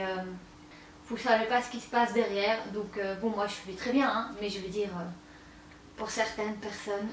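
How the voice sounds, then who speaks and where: A young woman vlogging from home, seated and chatting candidly to camera, hesitating often and repeating words. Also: a little high. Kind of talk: casual confiding chat to camera. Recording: roomy, distant mic with faint room noise.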